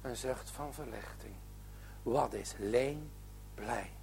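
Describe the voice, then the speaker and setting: A man reading a Christian children's story aloud with slow, dramatic delivery. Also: medium pitch, gravelly, a little mellow, slight background noise.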